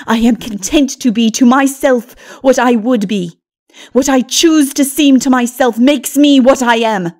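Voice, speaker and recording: A woman voicing a proud, tyrannical princess in a dark fantasy audiobook, with a forceful, haughty delivery. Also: high voice. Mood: proud, possessive. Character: defiant proud wicked princess, tyrannical and unrepentant.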